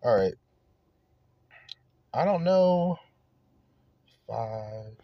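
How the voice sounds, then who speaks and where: A man's voice: animated, extremely slow, no room sound, dull audio. Stoned, rambling man. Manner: stoned, rambling, self-admittedly high; profane, emphatic. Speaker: streamer and show host. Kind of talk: off-the-cuff ranting commentary.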